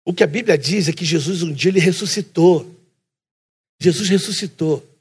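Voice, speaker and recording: A man with a Carioca accent preaches, with a voice that sits high for a man. His tone is husky and a little breathy. He tells a story with energy, acts out each side of the conversation, and keeps calling out to his listeners. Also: moderate pace. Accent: Carioca Brazilian Portuguese. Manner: animated storytelling, acting out both sides of a conversation; calls the listeners "brother" again and again. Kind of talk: sermon with a funny personal story.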